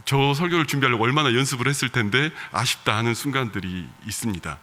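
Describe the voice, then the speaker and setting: A male pastor with a regional Korean dialect accent, preaching a conversational sermon with soft laughs and fillers. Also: medium pitch, fast talker, long reverb tail. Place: church sanctuary.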